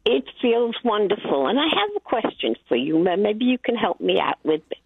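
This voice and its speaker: A woman's voice: medium pitch, sing-song, moderate pace, gravelly, slightly rough, no echo. A very old woman caller chatting politely on a radio phone-in, asking simple questions. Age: elderly, very old. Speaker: call-in listener. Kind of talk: casual radio phone-in chat. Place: phone call to radio show. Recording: tinny radio phone-line call.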